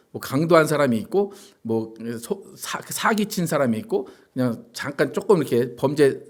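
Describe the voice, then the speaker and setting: A male pastor giving a sermon in a conversational way, often asking the congregation rhetorical questions. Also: medium pitch. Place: church sanctuary.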